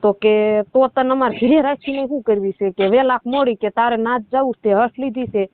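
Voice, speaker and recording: A woman's voice: fairly high pitch, normal speed, a little hiss or hum. A woman with a rural Saurashtra Gujarati accent giving a rambling, colloquial personal account over a muffled phone call. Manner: colloquial, rambling storytelling with reported dialogue. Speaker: caller seeking help with a marital dispute. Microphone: telephone.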